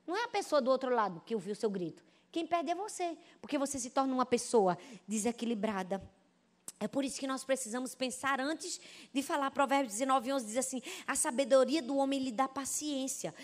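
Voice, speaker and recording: A Brazilian woman pastor preaching a sermon, telling stories with lively, animated delivery and often turning to the congregation. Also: high voice, fairly quick. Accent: Brazilian Portuguese. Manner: animated storytelling, addresses the congregation as "gente". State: pregnant.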